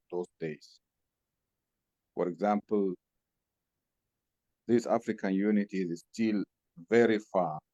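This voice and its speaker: A man from Ethiopia with an Ethiopian accent, answering in a measured way as a radio guest. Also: sits low, warm tone, dry recording. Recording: dull, lo-fi sound.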